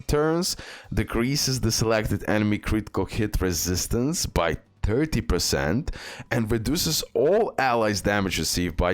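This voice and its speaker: Brief: low-voiced male gaming host, casual reading of game stats with ums. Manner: reads skill text aloud with fillers and restarts. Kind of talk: game tier list commentary.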